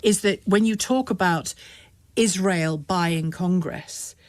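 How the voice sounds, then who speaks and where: A woman's voice: fairly low pitch, takes it slowly, a little mellow, no room sound. A British woman television host pressing a guest with probing, challenging questions in an interview. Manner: probing, pushes back, stammers restarts.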